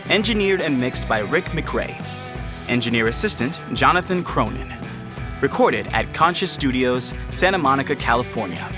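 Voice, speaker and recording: A man narrating a scripted audio fiction drama. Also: on the high side.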